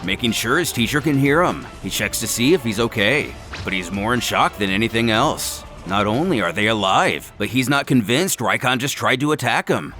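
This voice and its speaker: A man's voice: medium pitch, expressive, normal speed, few pauses, sharp tone, faint music behind. A man narrating a scripted story in a dramatic, theatrical and intense manner.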